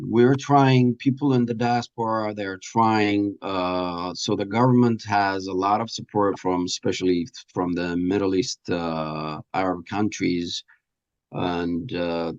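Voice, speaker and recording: A man being interviewed, explaining earnestly in a halting, deliberate way with pauses mid-sentence. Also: low-pitched, lo-fi sound. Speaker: radio presenter and producer being interviewed.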